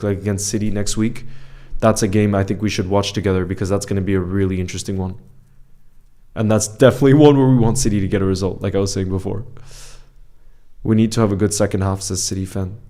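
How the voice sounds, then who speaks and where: On a football live stream, a man with a fairly low, dark voice reads out viewer comments, greets people by name and often says things twice in a casual chat. He comes from a mixed French and Icelandic background.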